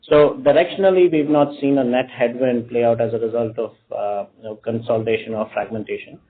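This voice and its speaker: A man with a mid-pitched voice answers analysts on an earnings call. He pauses often and fills gaps with "uh" and "sort of". The sound is narrow and tinny, like a phone line. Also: fairly even intonation. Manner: hesitant, many fillers. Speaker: company executive.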